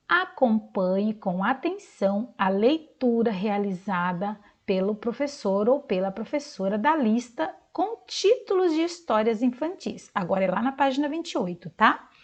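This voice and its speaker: A Brazilian woman with a Brazilian Portuguese accent teaches young children in a recorded video lesson. Her voice is fairly high with a darkish tone, and she speaks slowly in a sing-song teacher manner, clapping out syllables.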